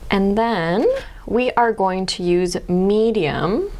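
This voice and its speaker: A woman's voice: mid-range voice, takes it slowly, a little mellow. A woman with a Midwestern accent, teaching a jewelry soldering demo step by step, friendly and explanatory, sometimes dropping to a near-whisper as she concentrates. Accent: Midwestern American. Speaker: jewelry instructor. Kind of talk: step-by-step craft demonstration.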